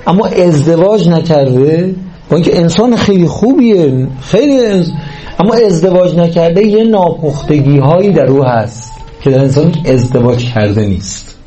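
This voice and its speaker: A man's voice: fairly high pitch, expressive, dark tone, rough recording. A man giving a religious lecture on parenting to a live audience, speaking earnestly and checking in with his listeners through rhetorical questions.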